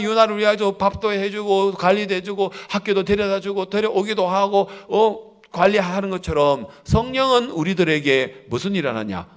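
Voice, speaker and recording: A man preaching a sermon as pastor, asking the congregation questions and swinging between loud exhortation and low, drawn-out endings. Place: church sanctuary.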